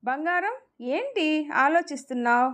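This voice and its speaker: A playful, affectionate young husband teases his wife in a storybook reading, voiced by a woman. The voice sits high for a man, light and fond rather than gruff. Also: very animated, moderate pace, fairly bright tone. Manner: teasing, affectionate.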